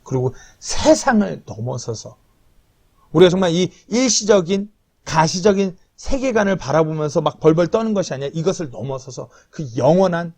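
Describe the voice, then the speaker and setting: A man's voice: on the high side, animated, normal speed, darkish tone. A man in his thirties preaching an earnest, confessional sermon as a pastor, at times pleading.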